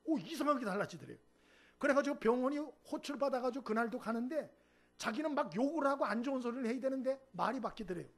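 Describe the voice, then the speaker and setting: Husky pastor preaching animated sermon. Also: male voice, extremely high pitch, quick pace. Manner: animated storytelling, acts out quoted speech, asks the congregation "응?".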